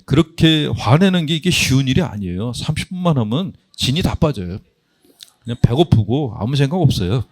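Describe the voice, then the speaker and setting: A man's voice: mid-range voice, a little mellow. A middle-aged man, a Catholic priest, giving a humorous spiritual talk full of anecdotes and jokes for an audience. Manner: joking, anecdotal storytelling to an audience.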